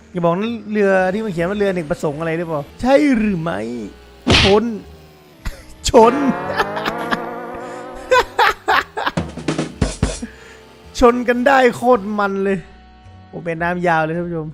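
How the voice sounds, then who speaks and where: A man giving excited game commentary to his viewers, exclaiming and laughing often. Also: high voice, gravelly. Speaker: gaming YouTuber.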